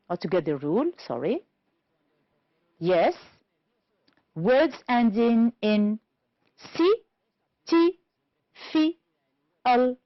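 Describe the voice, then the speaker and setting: Slow, lively-voiced woman teaching English. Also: mid-range voice, dry recording. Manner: slow, deliberate explaining with rising checks. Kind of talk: televised classroom lesson. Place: TV studio. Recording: dull, lo-fi dry studio sound.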